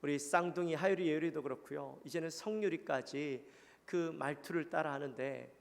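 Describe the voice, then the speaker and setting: Gravelly Gyeongsang-accented pastor preaching. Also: male voice, a little high, moderate pace. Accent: Gyeongsang Korean. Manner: earnest, conversational preaching with questions to the congregation. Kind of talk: sermon. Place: church sanctuary. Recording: long church-hall reverb.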